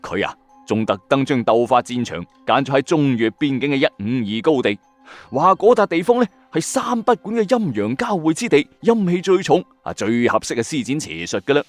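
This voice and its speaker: Animated Hong Kong Cantonese male storyteller. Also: medium pitch, moderate pace, no room sound. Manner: suspenseful, colloquial, exclamatory asides. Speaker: host of a ghost story audio channel. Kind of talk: dramatic late-night storytelling narration. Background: background music.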